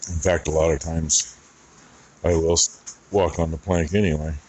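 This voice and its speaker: A man's voice: extremely low pitch, level tone, moderate pace, a little mellow, low-quality recording. A middle-aged man rambling and thinking aloud in a folksy way, talking casually as he does farm chores. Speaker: farmer vlogger. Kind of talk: casual vlog talk while doing farm chores. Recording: noticeable background noise and rattling.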